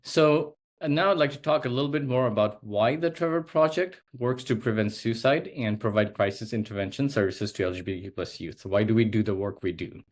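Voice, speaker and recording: A low-voiced man in his thirties, originally from Nepal, walks through a slide presentation over a video call. He speaks earnestly and steadily, with frequent small fillers between points. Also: brisk, hardly any pauses. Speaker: advocacy presenter.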